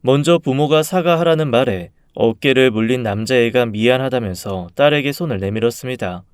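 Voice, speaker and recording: Male story reader, calm and subdued, resonant and clean. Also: mid-range voice, brisk, clear, resonant tone, no echo, clean studio sound. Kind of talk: first-person story narration.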